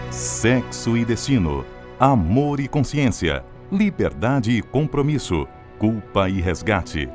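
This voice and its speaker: A man announcing a radio drama from a script in a grand, formal, theatrical manner. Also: fairly low pitch. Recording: prominent music behind the voice.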